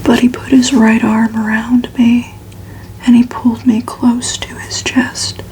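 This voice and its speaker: A woman reads a gothic novel aloud for ASMR in a soft, hushed whisper, narrating evenly. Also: on the high side, a little hiss or hum, rough recording. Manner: slow, hushed, even narration. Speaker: ASMR reader.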